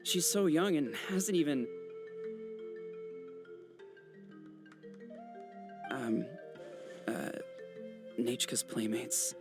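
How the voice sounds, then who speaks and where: A man's voice: mid-range voice, expressive, slow pace, music in the background. An actor playing an anxious, muddled tribal delivery man in a video game, speaking in a fretful, hesitant way. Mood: confused.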